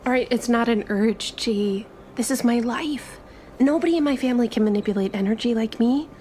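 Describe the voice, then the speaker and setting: A woman's voice: a little high, brisk, warm tone, a little hiss or hum, lightly acted. A woman playing an eager, chatty young traveler in a tabletop roleplay, with gushing, informal, stop-start chatter. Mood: eager, insistent.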